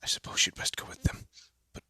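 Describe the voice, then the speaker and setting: A man playing a haughty but secretly soft young elf prince in a scripted roleplay audio drama, with a pompous, formal manner and a breathy, often hushed voice. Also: fast talker, dry recording, whispered. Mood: urgent, curt. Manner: pompous, formal, flustered stammering.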